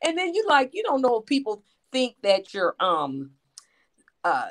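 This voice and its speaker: A woman talks at a moderate pace with a fairly high pitch and vocal fry. Her tone is animated, and her pitch swings very widely. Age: 60s. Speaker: call-in show participant. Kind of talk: casual chat.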